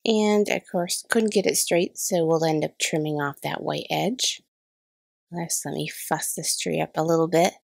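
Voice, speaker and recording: Chatty woman with a cold, gravelly voice. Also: low voice, fairly even intonation, measured pace, no room sound, clean studio sound. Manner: chatty, self-deprecating about mistakes. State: has a cold, slightly nasal. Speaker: card-making channel host. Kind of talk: casual crafting voice-over tutorial. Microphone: voice-over recorded separately.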